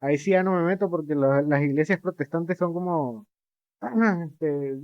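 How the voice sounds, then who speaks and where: Young male co-host, higher voice, hesitant storyteller with dry asides; dry close mic. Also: measured pace, no room sound, dull audio. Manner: rambling, hesitant, many fillers and restarts, wry asides. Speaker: podcast co-host. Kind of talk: casual podcast discussion.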